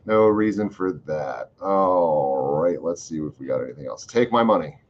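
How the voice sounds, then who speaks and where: A man's voice: low-pitched, expressive, normal speed. Laid-back swearing man, lo-fi sound. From Florida. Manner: casual, profane, rambling with fillers. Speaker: host. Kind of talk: casual livestream chat answering viewer questions.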